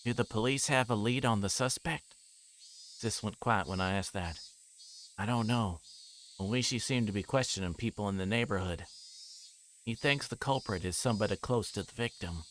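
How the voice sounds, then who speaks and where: A man livestreaming a visual novel, reading its text aloud and breaking into casual, rambling commentary as he thinks out loud. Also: on the low side, normal speed, long pauses, a little hiss or hum.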